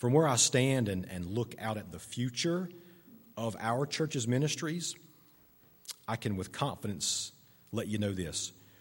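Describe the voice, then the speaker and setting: A man speaks at a fairly slow pace with lively intonation and long, frequent pauses. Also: medium pitch for a man. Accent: Southern US. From US South, Camden, South Carolina. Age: 40s. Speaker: pastor. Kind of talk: sermon. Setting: church, on stage at a microphone.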